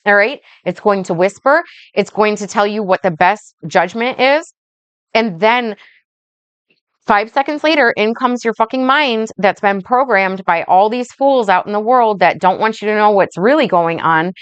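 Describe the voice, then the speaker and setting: A woman life coach rambling through a casual vlog monologue, slow and blunt, swearing freely and checking in with "right?" and "okay?". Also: medium pitch, clean tone, no echo, muffled recording. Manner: speaks slowly.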